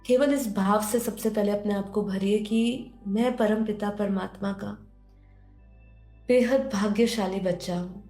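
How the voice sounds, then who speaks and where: A woman leading a guided meditation and spiritual teaching in a gentle, instructive manner, often repeating phrases. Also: medium pitch, steady tone, measured pace. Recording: roomy echo under background music. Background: music.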